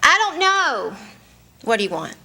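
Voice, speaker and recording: Bright teasing young small-town woman, forthright, highish lively voice, old time radio play. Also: a little slow, exaggerated voice. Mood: exasperated. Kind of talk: live stage reading of a 1940s radio drama. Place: stage, live broadcast reading.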